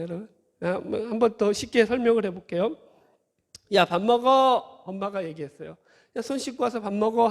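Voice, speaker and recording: A man's voice: high-pitched, creaky. A male pastor preaching a sermon in a conversational way, asking the congregation rhetorical questions and acting out scolding voices. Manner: acts out scolding voices in quotes. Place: church sanctuary. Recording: church hall reverb.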